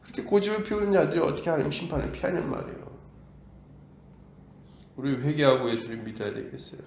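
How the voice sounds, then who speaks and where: Korean pastor guy preaching hard, high voice, rhetorical questions, echoey church sound. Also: very animated, fast talker, vocal fry, darkish tone, a little hiss or hum. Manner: emphatic, asks the congregation rhetorical questions; acts out quoted voices of doubters and of God. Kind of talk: sermon.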